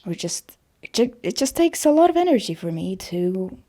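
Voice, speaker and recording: A woman talking in a casual personal vlog style, with a creaky voice and a hesitant, self-conscious, rambling manner. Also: medium pitch, very animated, normal speed, dark tone. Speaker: voice actor vlogger.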